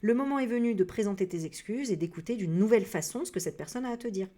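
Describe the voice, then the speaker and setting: A woman from France giving a casual spiritual reading, rambling with many hesitations and frank, animated asides. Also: mid-range voice, fast. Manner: rambling, full of hesitations and fillers. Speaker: psycho-energy practitioner and medium.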